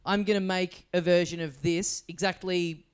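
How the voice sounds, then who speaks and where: A man's voice: high voice, steady tone, normal speed, clean tone. An Australian man co-hosting a podcast, chatting casually and rambling with lots of fillers and restarts. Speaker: podcast co-host. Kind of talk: casual chat. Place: small studio.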